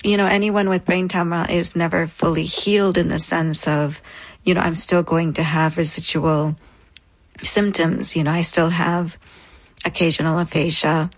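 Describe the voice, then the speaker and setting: An earnest woman in her thirties tells her own story as an interview guest, in short, reflective phrases. Her voice sits a little low with a husky edge. The sound is close and dry. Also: level tone, moderate pace, no echo.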